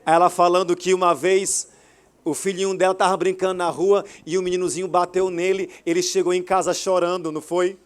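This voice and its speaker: A man in his thirties preaching a sermon at a church service, animated, acting out quoted dialogue. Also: high voice, a little fast, smooth. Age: 30s. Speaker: pastor. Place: hotel auditorium church service.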